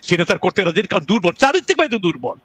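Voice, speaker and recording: A man, a guest commentator on a talk show, speaking earnestly and emphatically with frequent halting restarts. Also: high-pitched, breathy edge, no echo. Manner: earnest, emphatic, drifts between calm and raised passages; halting, with restarts and drawn-out fillers.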